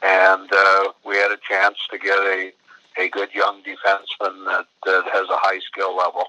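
An older man, a hockey team's general manager, answering interview questions over the phone in a halting way with many fillers and restarts. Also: sits low, completely flat delivery, pushed and bright. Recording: dry tinny phone line.

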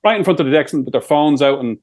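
A young Irish man co-hosting a podcast, telling stories in a sweary, animated way. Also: a little high, rapid-fire. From Ireland. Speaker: podcast co-host. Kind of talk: casual chat.

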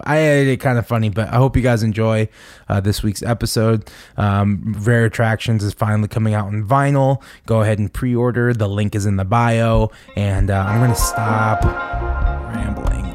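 Rambling low-voiced man, dry close mic. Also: darkish tone, no echo. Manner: rambling, halting, many restarts and fillers. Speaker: podcast host and touring musician. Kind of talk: casual podcast monologue and interview.

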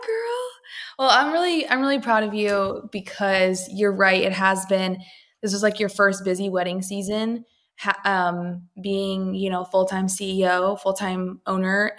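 A woman's voice: medium pitch, measured pace, fairly bright tone. A young woman co-hosting a casual chat podcast, talking in an encouraging, supportive way. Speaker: podcast co-host.

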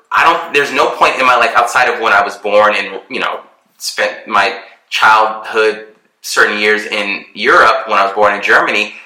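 A man's voice: fairly low pitch, bright, forceful tone. A man from Texas in casual chat, talking earnestly and rambling with many fillers and restarts. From Texas, USA. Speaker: vlogger, expat in Mexico. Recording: roomy echo.

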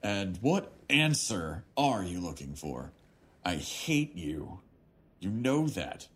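An actor in an audio drama playing an arrogant, resentful lawyer son with a contemptuous, biting manner. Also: male voice, deep voice, very animated, slow pace, exaggerated voice. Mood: cold, bitter.

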